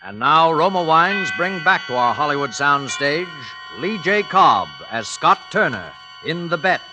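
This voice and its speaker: A man's voice: fairly high pitch, very animated, measured pace. A man announcing a 1950s radio drama in a grand, declamatory way. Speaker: show announcer. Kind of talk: formal 1950s radio show introduction. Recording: old radio broadcast over music.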